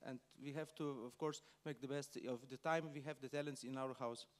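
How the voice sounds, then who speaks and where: A man's voice: medium pitch, fairly even intonation, brisk. A man speaking as a business panelist, hesitant, with many fillers and non-native phrasing. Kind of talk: panel discussion answers.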